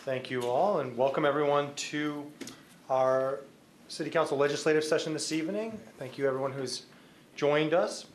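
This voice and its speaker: A man's voice: a little high, normal speed. A middle-aged American man formally chairing a council meeting in a procedural manner. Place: council chamber. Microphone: desk microphone. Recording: background noise in meeting room.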